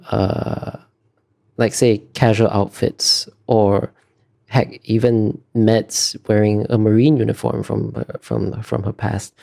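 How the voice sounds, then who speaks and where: A man with a low voice and a noticeable creak answers interview questions casually. He speaks in a hesitant, thoughtful way, feeling out his words as he explains his work as an artist. The tone is on the mellow side.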